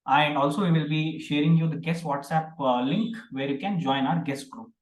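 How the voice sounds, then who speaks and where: Man, fairly high voice, friendly chairing, fillers, echoey room, video call. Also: normal speed. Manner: friendly, hesitant fillers, welcoming guests. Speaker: presiding officer of an online speaking club. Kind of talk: chairing a meeting.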